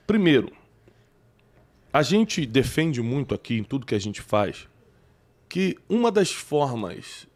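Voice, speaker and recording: A man with a Brazilian Portuguese accent hosting a podcast conversation, talking in an emphatic, preacherly way and citing scripture. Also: medium pitch. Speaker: podcast host.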